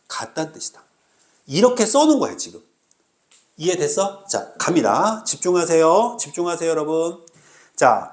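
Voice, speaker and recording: A male teacher giving a recorded exam-prep reading lecture, drilling students with constant rhetorical questions. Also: high-pitched. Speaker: Korean language teacher.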